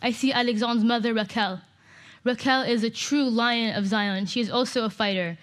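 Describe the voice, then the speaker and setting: A woman's voice: fairly high pitch, fairly even intonation, moderate pace. A woman from Canada giving an impassioned, emphatic public talk to an audience. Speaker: speaker.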